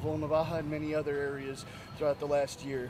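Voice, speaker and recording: A man's flat, monotone delivery, dry with no echo, over noticeable background noise. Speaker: war reporter. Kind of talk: field report commentary. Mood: somber, respectful. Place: street.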